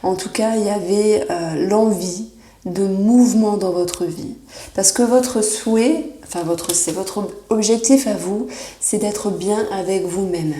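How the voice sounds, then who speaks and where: Woman doing a tarot horoscope, soft warm tone, lots of euhs, kinda roomy echo. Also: medium pitch, unhurried. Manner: reassuring, searching for words with frequent fillers. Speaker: tarot reader. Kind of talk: horoscope tarot reading to camera. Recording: echoey room.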